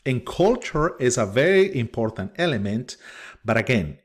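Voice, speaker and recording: A Colombian minister and teacher with a thick Spanish accent gives an earnest recorded lecture from his office. His voice is lowish, and he uses many fillers and restarts.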